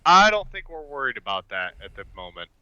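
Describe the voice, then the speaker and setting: A man's voice: mid-range voice, sing-song, brisk, pushed and bright, smooth, no room sound, lo-fi sound. A man playing a suave, brooding old man in a tabletop game, curt and dry, over faint background noise. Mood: curt, unimpressed.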